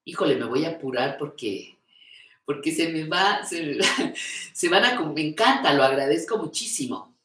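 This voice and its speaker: A woman's voice: low-pitched, expressive, normal speed. An older woman hosts a live stream, reading viewers' comments aloud and answering them in an encouraging, affectionate way. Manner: warm, encouraging, calls viewers "reina". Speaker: host of a live show on creative aging. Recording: echoey room.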